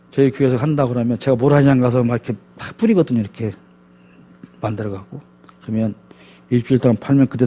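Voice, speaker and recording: A man's voice: medium pitch, warm tone. A man preaching a sermon as a pastor, emphatic and full of rhetorical questions to his congregation.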